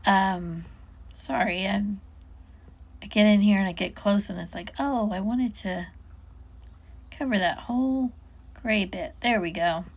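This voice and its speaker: A woman's voice: mid-range voice, a little slow, pauses often. A woman giving a casual, unscripted product walk-through, chatting and musing aloud as she goes, often interrupting herself.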